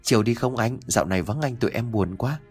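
A man's voice: medium pitch, expressive, fast talker, husky, dry recording, soft background music. A man voicing a cheerful, teasing young female student in a raised, coaxing voice.

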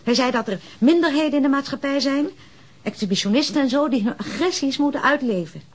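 A woman's voice: high-pitched, lively intonation, fairly quick. An actress playing a fussy, chiding middle-aged housewife and mother in a naturalistic radio drama. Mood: fretful.

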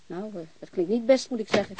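A woman's voice: mid-range voice, fast talker, background noise, natural voice. An actress playing an outspoken, chatty middle-aged landlady in a naturalistic radio drama, talking bluntly and restarting her sentences. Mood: pensive. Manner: talkative, blunt, breaks off and restarts.

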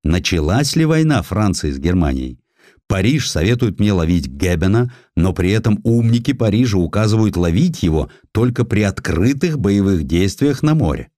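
A man's voice: on the low side, sing-song, moderate pace, mellow, no echo, clean studio sound. A man voicing an exasperated, impatient French admiral in an audiobook, imploring and irritable. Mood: exasperated, pleading. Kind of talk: audiobook character acting.

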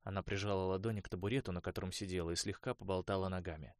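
A man narrating a novel as an audiobook in a measured, even storytelling manner. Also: sits low, no room sound, studio quality.

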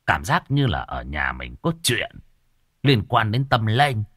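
A man voicing a gruff middle-aged village man who speaks low and subdued. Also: big pitch swings, unhurried, a bit bright, no room sound, clean studio sound, exaggerated voice. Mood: explaining.

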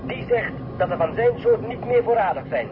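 A clipped radio-play officer calls in over a field radio, ending each terse report with "over". His voice sits high and swings widely. The transmission sounds dull and lo-fi, with clear noise behind it. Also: lively intonation, fairly quick.

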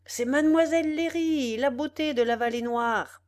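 Excited village lad, loud and high, read by a woman. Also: moderate pace, natural voice. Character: excited young village lookout, teasing.

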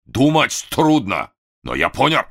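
A man's voice: mid-range voice, wildly swooping pitch, unhurried, gravelly, fairly bright tone, pitched above the performer's own voice, exaggerated voice. A man voicing a comic, proud Japanese male servant with a heavy Japanese accent, swapping l for r. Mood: indignant. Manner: swaps l for r, lisping syllables.

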